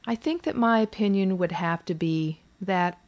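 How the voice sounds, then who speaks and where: A woman's voice: on the low side, moderate pace, darkish tone, lightly acted. A woman reading the lines of a weary, sarcastic mother who is defensive and exasperated about repeating her family history in therapy.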